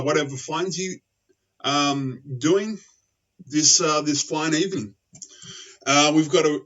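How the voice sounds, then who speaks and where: A man's voice: fairly high pitch, a bit bright. A man hosting an online show in casual chat, rambling with many fillers and restarts. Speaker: podcast host. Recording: distant, dull lo-fi mic.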